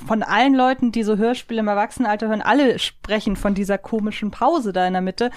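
A woman's voice: mid-range voice, quick pace. A woman hosting a podcast, talking casually and at length in a reflective, conversational way. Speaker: podcast host.

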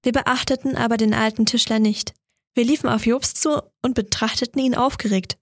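A woman calmly reading a Christmas story aloud in a measured storytelling manner. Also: on the high side, no room sound, studio quality. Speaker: reader. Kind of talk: audiobook narration of a Christmas story.

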